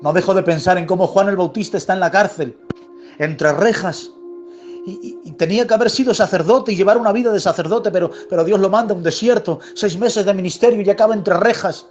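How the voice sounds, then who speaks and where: Man, sermon, high pitch, emphatic repetition, faint background music. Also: a little fast, muffled recording. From Spain. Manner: emphatic, repetitive phrasing, dropping to a hushed tone. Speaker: preacher.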